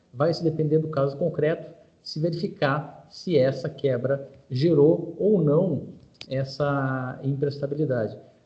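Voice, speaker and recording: A man talks at a fairly slow pace with fairly even intonation. His voice is fairly high and somewhat breathy. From Brazil. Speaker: lawyer. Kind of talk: webinar presentation.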